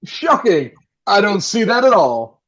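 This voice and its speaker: An actor playing a polished, wry and nervous live radio host in an audio play, with a theatrical announcer delivery. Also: male voice, sits high, big pitch swings, unhurried, fairly bright tone, heavily acted. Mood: uneasy, dry. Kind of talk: old-time radio play acting.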